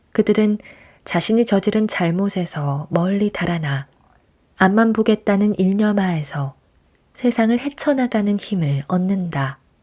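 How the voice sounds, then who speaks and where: A woman's somewhat breathy, medium-pitched voice with a dark, mellow tone, lively intonation and a calm, soothing tone. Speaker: audiobook reader. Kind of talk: essay reading for sleep.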